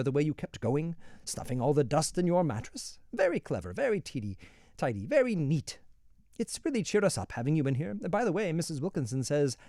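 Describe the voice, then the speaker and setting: A man's voice: a little high, dark tone, no room sound, studio quality. A man voicing a cheerful, rambling prison warder who keeps calling people sir, his voice lifted above his own. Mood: cheery. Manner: rambling, deferential, says "sir" constantly. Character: cheerful chatty male prison warder, polite.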